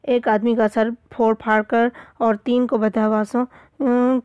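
A woman's voice: fairly high pitch, little pitch movement, darkish tone, clean tone, dry recording, muffled recording, lightly acted. A woman voicing a boastful, teasing male jungle monkey in a read-aloud storybook.

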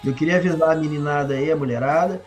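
A man's voice: fairly high pitch, fast talker, faint music behind. A Brazilian man in casual live sports banter, blunt and playfully grumbling. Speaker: show regular, panelist.

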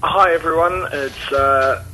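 A New Zealand man leaves a joking voicemail, his voice bright and fairly high. He hesitates often with fillers. The call comes through a phone line with faint hiss behind it. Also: takes it slowly. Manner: playful, hesitant with many fillers. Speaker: caller. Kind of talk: voicemail with mock interview.

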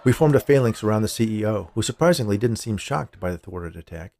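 A man's voice: lowish voice, lively intonation, quick pace, a little mellow, some chatter behind. A man narrating a scripted first-person story as the storyteller of a fiction podcast.

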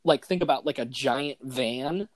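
Excitable man gushing in casual chat. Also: mid-range voice, a little slow, dry recording. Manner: excitable and enthusiastic, heavy slang. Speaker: podcast host. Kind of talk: casual gaming podcast chat.

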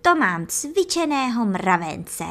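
Eager young schoolboy from a storybook, high, excited chatter; a woman reader acts him out. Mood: eager, dreamy.

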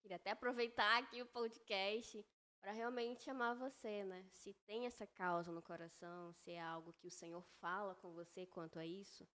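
A woman guest talking on a faith-based podcast, her speech earnest and reflective. She talks in measured phrases and often checks in with a quick tag question. Her pitch sits in an ordinary middle range. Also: fairly even intonation, fairly bright tone.

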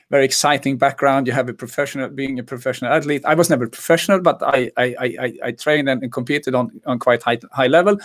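Male podcast host, enthusiastic, plenty of stammered restarts. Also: medium pitch. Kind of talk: podcast interview.

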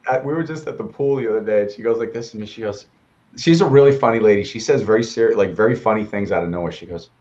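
A man co-hosting a casual chat, joking at his own expense and telling lively stories. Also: on the low side, fast talker. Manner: self-deprecating joker, lively storyteller. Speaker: co-host. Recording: dull lo-fi audio.

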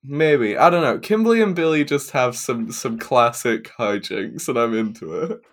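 A man co-hosting a casual podcast chat, blunt and sweary, quick to laugh. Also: medium pitch. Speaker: podcast co-host.

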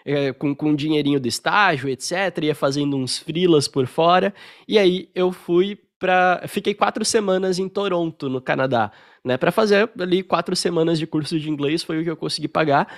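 Young Brazilian man, Brazilian Portuguese accent, raised pitch; easygoing podcast guest, filler-heavy storyteller, video-call sound. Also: moderate pace. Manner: relaxed storytelling, frequent fillers. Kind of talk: casual interview chat.

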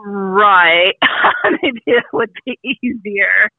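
A woman's voice: mid-range voice, drawn-out words. A woman calling in over the phone, chatting casually and laughing easily. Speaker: caller. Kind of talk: casual chat. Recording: tinny phone line.

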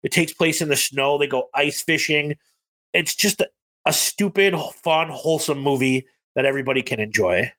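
A man's voice: fairly high pitch, normal speed, fairly bright tone. A man co-hosting a podcast, chatting casually about movies and rambling with lots of ums and likes. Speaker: podcast co-host.

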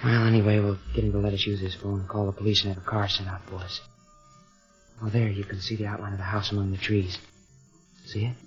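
A man's voice: on the low side, little pitch movement, fast talker, close to an everyday voice. Man acting earnest young boyfriend, old radio sound. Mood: watchful. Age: young adult. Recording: dull vintage radio recording, music behind.

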